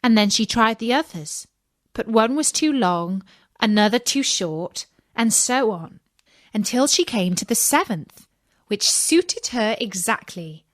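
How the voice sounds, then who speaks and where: Slow-paced woman reading a fairy tale. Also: a little high, expressive, no echo, clean studio sound. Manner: measured, deliberate read-aloud delivery. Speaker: storyteller. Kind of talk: scripted fairy tale narration for children.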